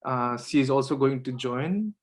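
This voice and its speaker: A man's voice: mid-range voice, animated, normal speed. A man whose first language is Nepali, moderating an online panel over a video call, hesitant, with many fillers and restarts.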